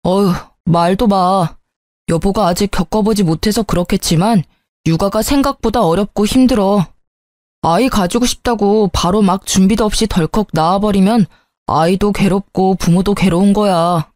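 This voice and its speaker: An irritable young husband who dodges and grumbles in a lowered voice, as a woman puts him on. The tone is soft and mellow. The sound is close and dry. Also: normal speed, dry recording, lightly acted. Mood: coaxing.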